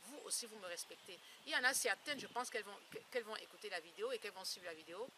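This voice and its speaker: A woman's voice: mid-range voice, expressive, rapid-fire. A woman in her fifties speaking informally to her followers in an earnest, emphatic way, repeating phrases for emphasis. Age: 50s. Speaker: beauty blogger and campaigner against skin lightening. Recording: distant mic, clear background noise.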